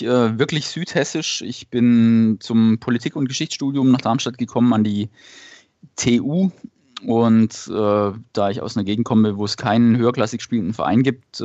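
A man's voice: medium pitch, no room sound. Man on a dull, dry remote line. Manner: relaxed storyteller, with fillers. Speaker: podcast guest. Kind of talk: casual interview answers. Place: remote, at a family gathering. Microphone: remote call connection.

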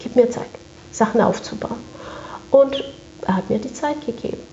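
Female interview guest, fairly high but soft-toned, emphatic repetition, conversational, slightly muffled room recording. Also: normal speed, slight background noise. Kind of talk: conversational interview, recounting work experience. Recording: echoey room, dull muffled sound.

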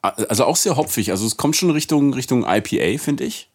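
A man co-hosting a casual podcast, relaxed and a little hesitant, announcing plans to the listeners. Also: mid-range voice, fast, slightly rough. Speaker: podcast co-host.

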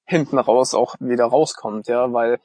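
Husky man with a light Swabian accent. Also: medium pitch, moderate pace, dry recording. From Stuttgart, Germany. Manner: relaxed, chatty, many fillers. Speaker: podcast co-host, online marketing consultant. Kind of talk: casual podcast chat.

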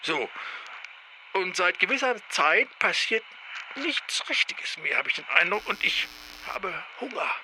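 Man playing a bright, hapless, rambling stranded agent. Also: high voice, a little hiss or hum, exaggerated voice, rough recording. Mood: pleading. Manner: hesitant, rambling, thinking aloud. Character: hapless, rambling male time-travelling agent, stranded and puzzled. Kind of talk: audio drama voicemail monologue.

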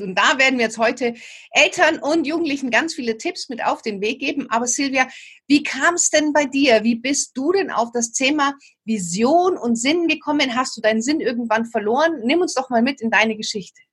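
Husky-voiced enthusiastic woman podcast host. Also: sits high, normal speed, a bit bright. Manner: enthusiastic, encouraging questions. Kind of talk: interview hosting.

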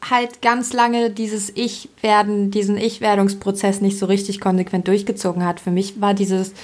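A woman's voice: mid-range voice, level tone, moderate pace, a little mellow. A young adult woman from East Germany who grew up in Berlin, co-hosting a podcast in casual, slangy, self-reflective and rambling conversation. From East Germany, raised in Berlin. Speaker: podcast co-host.

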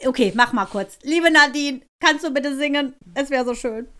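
A woman's voice: high-pitched, moderate pace, bright, forceful tone. A woman co-hosting a casual podcast chat, telling stories and acting out quotes between laughs. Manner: laughing, chatty storyteller who acts out quotes. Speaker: podcast co-host.

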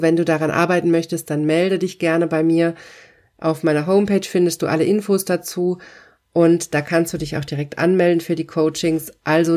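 A coach who runs hypnosis sessions gives a self-help talk, speaking straight to the listener in an encouraging, emphatic way with repeated affirmations. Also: medium pitch. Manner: warm, encouraging second-person address with repeated affirmations; emphatic, pointed phrasing.

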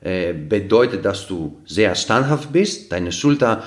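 A man with a slightly low voice who is not a native speaker talks as a podcast guest. He explains things earnestly, one everyday example after another, with frequent fillers and restarts as he hunts for the right word. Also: very animated, measured pace. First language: not German. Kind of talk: casual explanatory talk.

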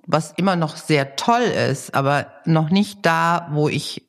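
A woman's voice: sits low, unhurried. A middle-aged woman talking candidly and reflectively as an interview guest, thinking aloud as she tells personal stories. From born in Liberia, raised in southern Germany from age seven. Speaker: interview guest, art director and stylist.

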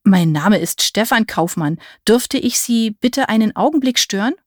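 A woman voices a polite young man who is lost and stammers as he speaks. Her mid-range, expressive voice is pitched above her own but stays close to an everyday voice, at a moderate pace. The clean studio sound has no room sound.

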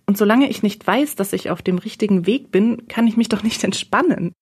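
A woman's voice: medium pitch, brisk, darkish tone, slightly rough, natural voice. A woman voicing a defensive, indignant young woman. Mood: brooding. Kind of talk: audiobook role reading.

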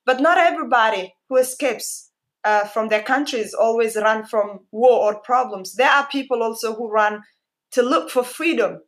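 A woman with an East African accent giving a personal talk in a heartfelt, emphatic manner, often repeating phrases for emphasis. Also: on the high side. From Somalia-born, raised in Kenya. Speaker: guest speaker.

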